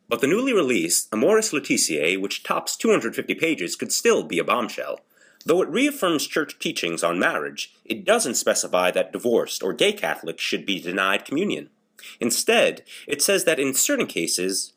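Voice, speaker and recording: A man's voice: on the low side, huge pitch swings, moderate pace, fairly bright tone, breathy edge. A man reading scripted news briefs as a voice-over artist in an audition.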